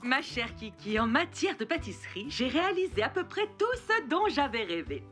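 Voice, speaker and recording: An actress playing a jolly, folksy old granny pastry chef in a cartoon, theatrical and self-satisfied. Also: female voice, high voice, big pitch swings, moderate pace, fairly bright tone, soft background music. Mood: proud, grand. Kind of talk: animated cartoon dubbing.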